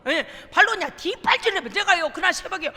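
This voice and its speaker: Woman pastor, emphatic sermon, very high voice, bright and sharp, long church-hall reverb. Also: expressive, fast talker. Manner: emphatic, asks congregation for responses. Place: church sanctuary.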